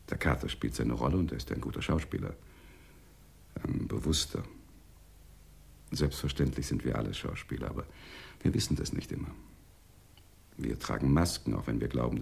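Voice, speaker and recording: An actor playing a polite, evasive Arab businessman in a radio drama, speaking in a measured, musing, formal way. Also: extremely low pitch, creaky, a little mellow, husky, heavily acted.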